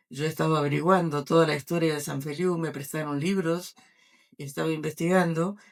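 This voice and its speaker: With an Argentine accent, a woman speaks fairly quickly in a very deep, low pitch and a monotone, flat intonation. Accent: Argentine, kept after decades in Catalonia. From Argentina. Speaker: novelist. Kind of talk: book presentation interview. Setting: bookstore event with audience. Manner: hesitant, many fillers.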